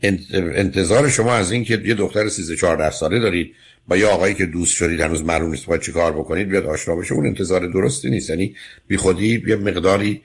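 Deep husky man giving firm advice. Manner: firm, lecturing, interrupts with questions. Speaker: radio call-in advice host. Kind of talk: call-in advice counseling.

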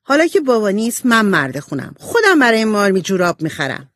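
Lady doing a tomboy teen girl, blunt and loud, bouncy pitch. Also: sing-song, no room sound, clean studio sound. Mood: eager. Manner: blunt, boisterous. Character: tomboyish teenage girl, fifteen, bold.

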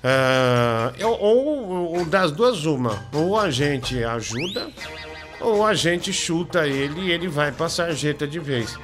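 A man's voice: on the high side, animated, slow, a bit bright. A man hosting a comic radio show with a Brazilian accent, teasing and mocking in repetitive banter. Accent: Brazilian Portuguese. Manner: mocking, teasing, repeats himself. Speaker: host. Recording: music playing behind the voice.

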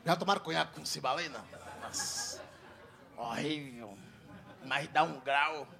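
A man's voice: on the high side, unhurried, gravelly, a crowd in the background. A young man from Ceará with a Northeastern Brazilian accent, doing stand-up comedy on stage and telling crude stories while acting out the dialogue. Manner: crude, animated storyteller who acts out dialogue. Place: comedy stage in front of a live audience.

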